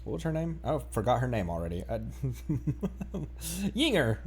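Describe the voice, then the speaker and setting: A man's voice: mid-range voice, measured pace, slight background noise. A man with an American accent chatting casually and playfully as he livestreams a video game. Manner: playful, joking, expressive. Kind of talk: casual chat while streaming a game.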